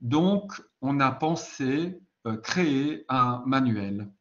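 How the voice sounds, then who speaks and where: A Belgian man with a Belgian French accent presents at a conference, his pitch sitting in an ordinary middle range. He explains patiently and often pauses on "euh" or restarts a phrase. The sound is a little dull and lo-fi. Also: lively intonation. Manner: explanatory, frequent "euh" hesitations and self-corrections. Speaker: university lecturer presenting a textbook.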